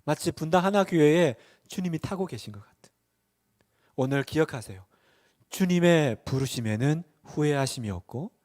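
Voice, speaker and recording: A man's voice: a little high, a little mellow. A middle-aged male pastor preaching a sermon, firing rhetorical questions at the congregation and acting out the voices in his stories.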